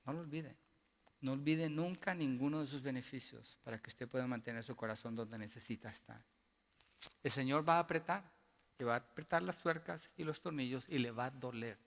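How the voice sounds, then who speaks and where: A man preaching a sermon as pastor, asking his congregation rhetorical questions and building to loud, emphatic passages. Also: medium pitch, fairly quick, vocal fry. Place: church sanctuary. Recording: long church-hall reverb.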